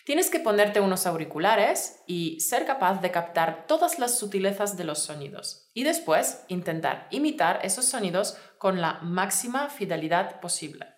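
A woman, giving clear step-by-step instructions in a scripted podcast lesson. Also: medium pitch, sing-song, moderate pace, few pauses. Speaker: Spanish teacher. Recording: roomy echo.

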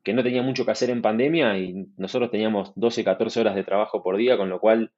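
Quick-paced and on the low side, his voice comes through with the highs cut off. The speaker, an Argentine startup manager with an Argentine Spanish accent, is a guest in a conversational interview, sounding relaxed and fluent while often restarting and using fillers.

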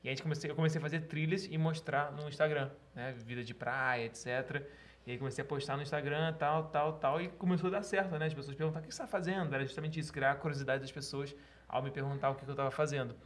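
A man chatting casually as a podcast guest, telling stories in an animated, joking way. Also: a little high. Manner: fast, animated storytelling with laughs.

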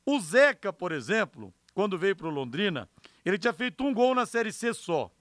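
A man's voice: high-pitched, sing-song, moderate pace, a bit bright, no room sound, clean studio sound. A man with a Brazilian accent hosting live sports talk on the radio, emphatic with conversational asides. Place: radio studio.

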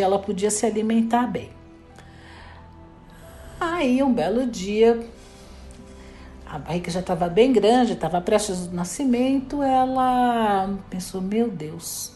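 A woman telling a fairy tale in a casual spoken way, changing her voice for the characters. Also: on the high side. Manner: lively, voices characters in quotes. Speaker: storyteller.

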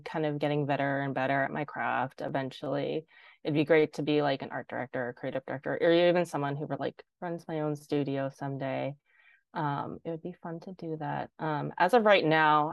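A woman's voice: low voice, gravelly, no room sound, lo-fi sound. A young woman, a designer and podcast guest, chatting casually and filling her talk with "like". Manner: chatty, heavy use of "like". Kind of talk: casual interview chat.

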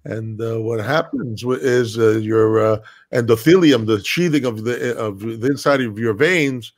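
A man's voice: medium pitch, a little slow. A man talking as a guest in a casual chat, a blunt storyteller who swears freely and fills his speech with "uh" and restarts. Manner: many fillers and restarts. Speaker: podcast guest.

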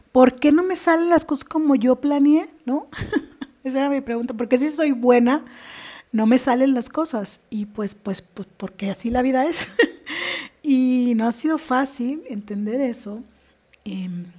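A woman's voice: a little high, mellow. A woman with a Mexican Spanish accent hosting a podcast as an executive coach, talking in a chatty, confessional way and laughing often. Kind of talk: casual podcast monologue.

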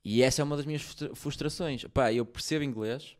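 A man's voice: medium pitch, brisk. Casual, slangy Portuguese man. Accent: European Portuguese. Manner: slangy, informal. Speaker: rapper, interview guest. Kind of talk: casual chat.

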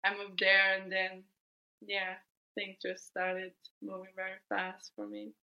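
A woman in her twenties from Denmark, telling her story as a guest in a podcast interview, relaxed and thoughtful. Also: mid-range voice, takes it slowly, lo-fi sound. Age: 20s. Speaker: guest footballer.

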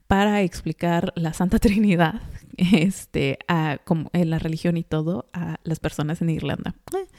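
A woman's voice: lowish voice, mellow, no room sound, studio quality. Chatty Mexican woman podcaster. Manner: chatty, rambling with many fillers and laughs. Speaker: podcast host. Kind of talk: casual monologue. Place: home in Chicago.

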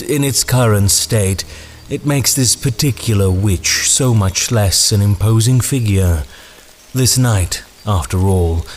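An actor playing a menacing, eloquent ringmaster in an audio drama, speaking in deliberate, theatrical, archaic phrases. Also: male voice, low voice, a little hiss or hum. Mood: courtly, sly.

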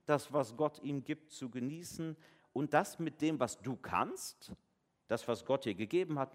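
A pastor giving a family service sermon in a conversational, lively way, acting out voices in the dialogue he retells. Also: medium pitch. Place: church. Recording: long church reverb.

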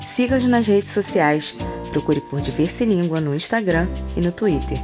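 Woman reading the podcast outro, deep for a woman, music going under it. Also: expressive, moderate pace. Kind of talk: scripted outro announcement.

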